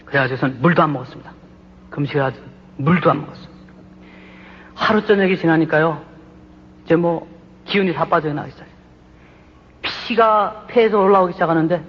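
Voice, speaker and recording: A high-pitched man preaches his testimony with fervent, pleading intensity, sometimes hushed and sometimes loud. His voice rings through a church hall with a long reverb tail. The recording is muffled, with a faint hiss underneath. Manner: impassioned, swings between quiet and loud pleading. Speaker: church elder giving testimony. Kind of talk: sermon-style testimony. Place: church sanctuary.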